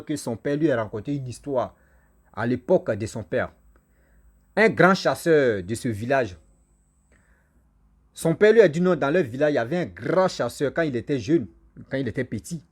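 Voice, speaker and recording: A man, whose first language is a local African language, telling a village legend to his viewers in a lively, repetitive style with frequent asides to them. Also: mid-range voice, slightly rough. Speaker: storyteller and channel host. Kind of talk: casual oral storytelling to viewers.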